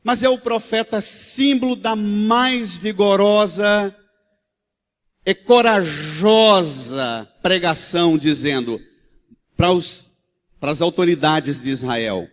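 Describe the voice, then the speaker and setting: A priest from central Brazil preaches to his congregation, retelling old stories in a lively, homespun manner. His voice sits a little high for a man. A long church reverb trails each phrase. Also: slow pace. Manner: storytelling, animated, with colloquial asides. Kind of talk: sermon. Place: large church.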